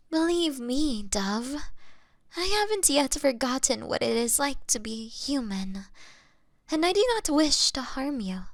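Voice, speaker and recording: Woman acting as a slow, breathy female vampire. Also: a little high, no room sound, exaggerated voice. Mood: gentle, regretful. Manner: slow, breathy, often whispering, formal wording. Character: gentle, apologetic female vampire struggling with bloodlust. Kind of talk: intimate scripted roleplay audio drama.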